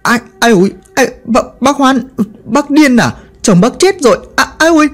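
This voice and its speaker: A man's voice: extremely high pitch, lively intonation, measured pace, a bit bright, soft background music, voice pushed up, exaggerated voice. A man voicing a flustered young man who stammers and yelps in a horror story. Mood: panicked. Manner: stammering, yelping.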